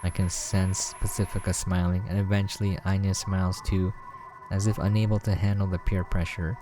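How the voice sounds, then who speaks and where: A man's voice: deep voice, little pitch movement, moderate pace, noisy background. A man reading a visual novel aloud as a gameplay host, dropping in casual, conversational asides.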